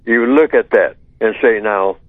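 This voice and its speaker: A man's voice: on the low side, no echo. Older man lecturing over a tinny phone line. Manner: measured, explanatory, repeats key words. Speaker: radio show guest answering callers. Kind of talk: call-in radio talk.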